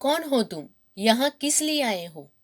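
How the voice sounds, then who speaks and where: A stern old-school army colonel read aloud by a woman questioning strangers in a gruff, imperious tone. The delivery is a plain storybook reading, only lightly acted. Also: high voice, very animated, a little slow, exaggerated voice.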